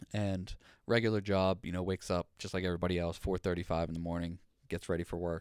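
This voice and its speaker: Someone with an American accent talks at a fairly quick pace, in a dry, close sound with no echo. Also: man. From western Pennsylvania. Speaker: war veteran. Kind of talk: interview. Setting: studio.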